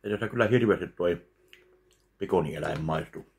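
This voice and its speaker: A man with a very low voice full of gravelly fry talks slowly and dryly between bites. He sounds close to the mic, in a small home kitchen. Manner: slow, deadpan, pauses between bites. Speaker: food vlogger. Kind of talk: casual eating review. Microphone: webcam at close range.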